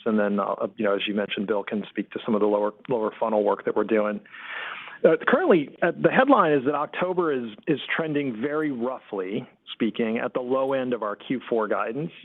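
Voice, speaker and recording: A man speaking as a finance executive, giving careful, formal answers on an earnings call over a tinny phone line. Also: on the low side.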